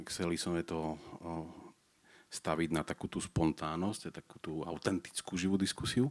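A man's very deep, low voice at a moderate pace, with ordinary pitch variation and a dry, close sound with no echo. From Slovakia, Spiš region. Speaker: philosophy lecturer. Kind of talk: public panel discussion.

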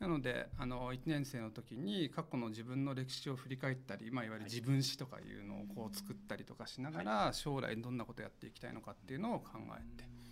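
Vocal fry runs through this voice, which shows ordinary pitch variation. It moves at a fairly quick pace with hardly any pauses. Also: man, medium pitch for a man. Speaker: startup CEO. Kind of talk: interview.

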